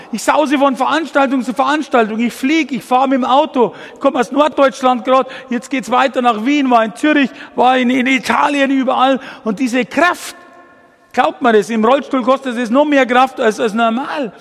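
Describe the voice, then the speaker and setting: A very high-pitched man in his sixties with a gravelly edge delivers a lively testimony sermon. He talks directly to the congregation, jumping between tangents with plenty of energy. His voice rings out with a long church reverb. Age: 60s. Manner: energetic, addresses listeners directly as du, digressive. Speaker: guest preacher.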